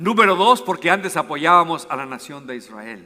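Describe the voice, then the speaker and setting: A man's bright, sharp voice at a fairly quick pace with ordinary pitch variation. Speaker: pastor. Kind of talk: sermon. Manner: fast.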